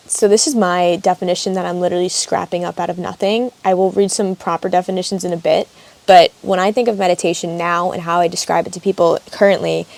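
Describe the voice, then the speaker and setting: A woman's voice: on the low side, creaky, darkish tone. A young woman hosting a casual solo podcast from an open air cabin, chatty and rambling with lots of "like" fillers. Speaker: podcast host and yoga teacher. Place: open air cabin outdoors, wind in background.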